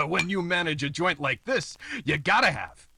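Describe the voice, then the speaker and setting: A man's voice: fairly high pitch, expressive, unhurried, gravelly, pushed and bright, husky, dry recording, full character voice. An actor playing a nosy, slimy apartment house manager who wheedles in tough-guy slang, in old-time radio noir style. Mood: scheming.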